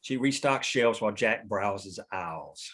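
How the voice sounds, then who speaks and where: A man's voice: fairly low pitch, lively intonation, measured pace, fairly bright tone. A man reading stage directions as scripted narration at a table read, in a plain, matter-of-fact manner.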